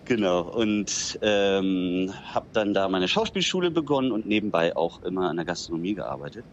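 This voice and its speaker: Relaxed low-voiced man from Berlin. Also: normal speed, muffled recording, slight background noise. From Berlin-Spandau, raised in Dithmarschen. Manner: relaxed, fills with "genau" and "ähm". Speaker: interview guest, bistro owner. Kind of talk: casual interview.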